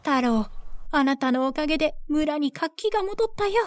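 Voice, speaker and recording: A woman's voice: high voice, lively intonation, normal speed, no echo. Fretful old village mother. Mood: weary. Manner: fretful, scolding yet tender. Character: worried old village mother, soft-hearted.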